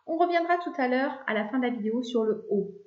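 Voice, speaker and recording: A woman teaching children to spell two-syllable words, explaining slowly and patiently syllable by syllable. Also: high-pitched, animated. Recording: echoey room, dull lo-fi sound.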